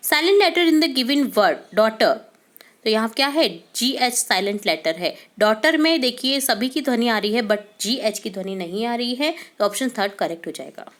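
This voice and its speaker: A woman teacher going through quiz answers step by step, asking questions and answering them herself, reading English questions slowly and deliberately. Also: a little high, expressive. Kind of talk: quiz answer walkthrough lesson.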